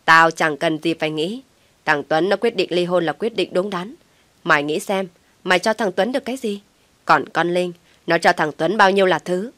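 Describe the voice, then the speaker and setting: A harsh, scornful older mother-in-law, as a woman storyteller puts her on, scolding in a low, hard voice. The recording is dry and close. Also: normal speed, a bit bright, no echo, close to an everyday voice. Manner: contemptuous, scolding.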